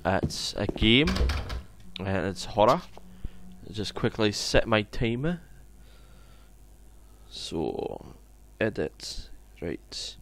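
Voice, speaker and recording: A man with an Australian accent giving casual, halting gameplay commentary that trails off into asides, on a noisy home recording. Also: on the low side, very animated, a bit bright. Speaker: gamer recording a let's play.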